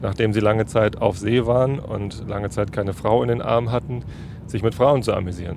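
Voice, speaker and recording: Over noticeable background noise, a man at medium pitch speaks at a fairly quick pace with fairly even intonation. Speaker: podcast host and father. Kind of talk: casual chat. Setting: in a car.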